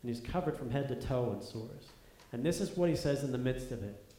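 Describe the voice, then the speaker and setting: A man's voice: medium pitch, animated, brisk, dark tone. A man preaching a sermon, earnest and building to emphatic peaks with repeated phrases, in a church sanctuary. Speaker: pastor. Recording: echoey room.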